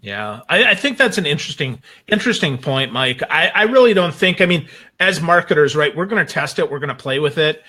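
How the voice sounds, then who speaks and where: Brisk and animated, this sales trainer and marketer speaks in a slightly high, pushed, bright voice. As a guest panelist in a relaxed discussion, he states his views bluntly and emphatically, often tossing out rhetorical questions.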